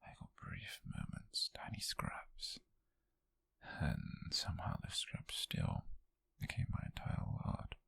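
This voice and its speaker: A man playing an obsessive, lovesick captor in an intimate audio roleplay, confessing in a halting, breathy whisper, pleading yet menacing. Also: a bit bright. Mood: aching, confessional. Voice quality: breathy, husky, gravelly whisper. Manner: slow, halting confession with sighs.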